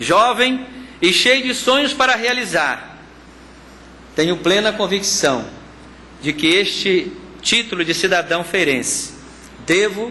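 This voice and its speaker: Through audible room echo and noticeable background noise, a man with a high pitch projects a raised voice at very even loudness, speaking at a very slow pace with lively intonation and long, frequent pauses. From Rio de Janeiro, Brazil. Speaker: pastor. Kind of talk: acceptance speech. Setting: city council ceremony. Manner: formal.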